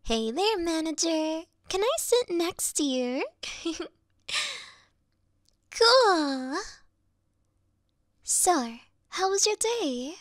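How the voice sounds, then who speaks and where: A woman playing a sweet, clingy young yandere video game girl in a soft, coy, cutesy ASMR roleplay style. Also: extremely high pitch, very animated, drawn-out words, pauses often, no echo, clean studio sound, exaggerated voice. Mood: shy, friendly.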